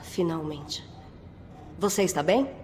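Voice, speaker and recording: A woman with a Brazilian accent playing a composed, caring agent, measured and earnest, in a dramatic video game. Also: sits low, lively intonation, darkish tone, slight background noise. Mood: urgent. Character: composed, caring female agent guiding a partner.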